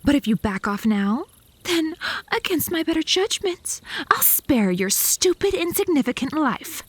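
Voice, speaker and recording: A woman's voice: high-pitched, big pitch swings, a little slow, dry recording. A woman playing a possessive, lovesick, bratty vampire in a comedic ASMR roleplay, haughty and theatrical, by turns flirty and threatening.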